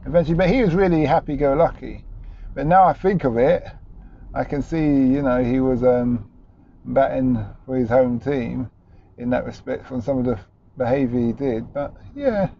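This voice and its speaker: A middle-aged cabbie putting halting questions to his passenger, the sound dull and full of road noise. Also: mid-range voice. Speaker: podcast host, taxi driver interviewing rider. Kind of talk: casual interview chat. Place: inside a moving taxi. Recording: dull in-car recording, clear road noise.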